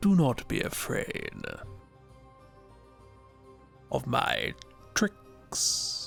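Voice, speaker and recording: A man talks in a put-on character voice at a very slow pace, with long, frequent pauses. Clear music plays in the background. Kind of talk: posh.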